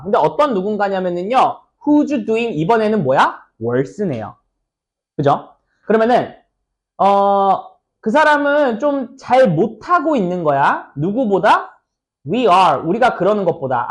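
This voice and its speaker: A man teaching an English exam passage, chatty and casual, often asking his students "right?" and acting out short scenes. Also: high voice. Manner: chatty, asks students "right?" often, acts out little skits. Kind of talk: lecture explaining an exam passage.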